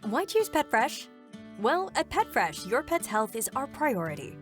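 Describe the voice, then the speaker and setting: Woman voicing an animated, upbeat advert announcer. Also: high voice, a little slow, voice pushed up. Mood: upbeat, friendly. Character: upbeat friendly female pet food advert announcer. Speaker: commercial voice-over artist. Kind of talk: scripted pet food advert read. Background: music bed.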